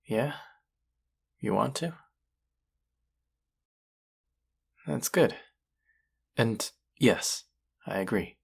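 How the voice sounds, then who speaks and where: A man playing a young chef in an intimate audio roleplay, a combative, exasperated rival with an earnest, tender side and a gravelly, halting delivery. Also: mid-range voice, lively intonation, heavily acted. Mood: relieved, gentle.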